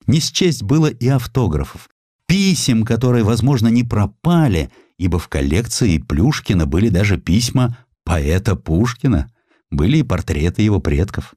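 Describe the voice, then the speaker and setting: A man reads a historical sketch as a dramatized audiobook. His voice sits fairly low and moves with great variety of pitch. The storytelling is expressive and theatrical, recorded dry and close. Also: normal speed, slightly rough, no echo. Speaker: audiobook narrator.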